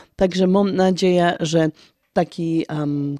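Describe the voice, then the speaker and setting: Over a quiet background, a woman with fairly low pitch and a dark, mellow tone speaks in a dry, close sound with no echo. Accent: Silesian. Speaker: radio host. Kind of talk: radio show presenting.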